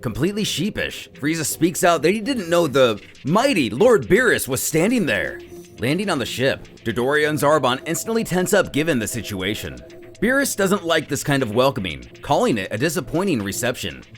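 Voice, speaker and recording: Over background music, a man with a fairly high, slightly bright voice recaps a dramatic story in a theatrical, suspenseful way. His delivery is sing-song at a moderate pace.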